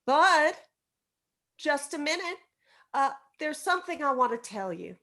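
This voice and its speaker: Woman as a bright, high-voiced stern schoolteacher. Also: very animated, a little slow, full character voice. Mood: earnest, firm. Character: stern but fair high school teacher Miss Longfield. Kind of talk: virtual table read of a screenplay.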